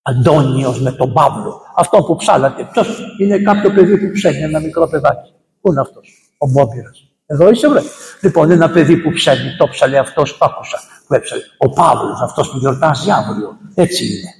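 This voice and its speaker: A priest with a high voice preaches to his congregation and tells a saint's story with lively emphasis, hammering home words by repeating them. The recording is roomy, and his voice rings out with the long reverb of a church. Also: gravelly. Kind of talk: sermon retelling a saint's story.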